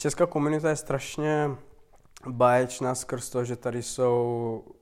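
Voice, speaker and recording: With a non-native accent, a man speaks at a fairly slow pace in a monotone, flat intonation. His pitch is medium. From Turkmenistan. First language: not Czech (speaking Czech). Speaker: hookah tobacco brand founder. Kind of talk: casual interview. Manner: halting, many fillers.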